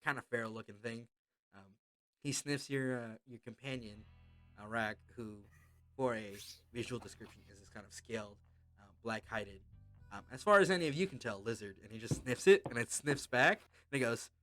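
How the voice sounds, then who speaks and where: A man narrating a tabletop role-playing game as game master, describing scenes in a casual, halting way. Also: medium pitch, sharp tone, soft background music.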